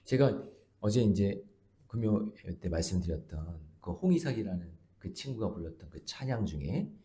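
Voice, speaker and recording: A man preaching a dawn prayer service sermon as a pastor, emphatic and questioning the congregation, swinging between loud exclamations and soft asides. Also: deep voice, lively intonation, moderate pace. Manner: talks directly to the congregation with questions.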